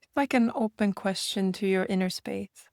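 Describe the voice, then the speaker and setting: A woman leading a guided meditation in a gentle manner, speaking in unhurried invitations with long pauses. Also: medium pitch, vocal fry, no echo, clean studio sound.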